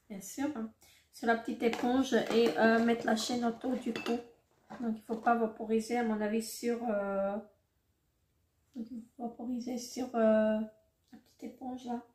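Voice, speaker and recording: A woman's voice: a little high, level tone, a little slow, pauses often, darkish tone. A middle-aged woman vlogger unboxing beauty products in a casual, hesitant way, with many fillers and self-corrections. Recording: roomy echo, faint noise.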